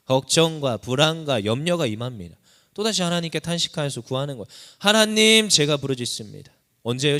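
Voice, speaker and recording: A man's voice: mid-range voice, a bit bright. A man preaching a sermon as pastor, impassioned, his voice climbing sharply whenever he cries out a prayer. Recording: long reverb of a church hall.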